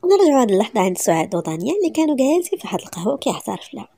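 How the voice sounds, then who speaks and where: Whispered role-play, Moroccan woman narrating, very fast, dark voice. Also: a little high, very animated, vocal fry, dry recording. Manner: rapid intimate storytelling. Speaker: storyteller.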